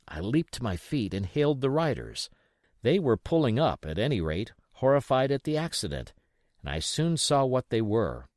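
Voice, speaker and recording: Expressive male audiobook narrator, lively pitch. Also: dry recording, studio quality. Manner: expressive storytelling. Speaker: audiobook reader. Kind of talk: scripted dramatic narration of an adventure novel.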